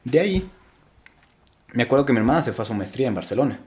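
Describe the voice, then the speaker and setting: A man's voice: mid-range voice, sing-song, fast talker, darkish tone. A young man from Ecuador, a podcast guest, talking reflectively in casual interview chat with frequent restarts.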